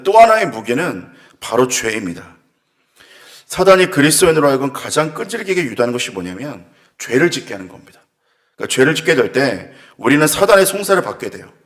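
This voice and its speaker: A man's voice: mid-range voice, sing-song, brisk, a bit bright. A man preaching a sermon as pastor, earnest and reflective, with sighing asides as he muses aloud. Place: church.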